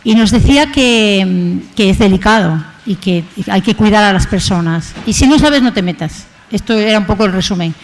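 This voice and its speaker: A woman's voice: a little high, poor audio. A woman hosting a conference opening, introducing the guest speaker in a chatty, rambling way. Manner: chatty, rambling, tag questions. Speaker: association host introducing the speaker. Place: conference hall.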